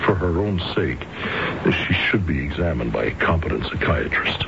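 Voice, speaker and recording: An actor playing a tactful, concerned doctor in a 1970s radio drama, speaking in a hesitant, careful way. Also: male voice, a bass voice, expressive, moderate pace, creaky, loud music behind the voice, full character voice. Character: tactful, concerned male doctor breaking bad news. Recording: muffled, noisy vintage radio broadcast.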